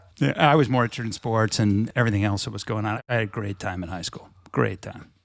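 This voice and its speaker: A man with a Midwestern accent talks at a very fast pace, his pitch fairly low with ordinary variation. Vocal fry runs through his voice. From US Midwest, Saint Charles, Illinois. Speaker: venture capitalist, company co-founder. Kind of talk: casual interview.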